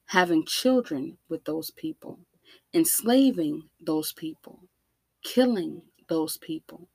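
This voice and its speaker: A woman with an African American accent delivering an impassioned monologue, emphatic and deliberate, with rhetorical questions and repetition. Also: low voice, lively intonation, vocal fry, darkish tone, breathy edge, dry recording, low-quality recording. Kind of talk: impassioned spoken monologue to listeners.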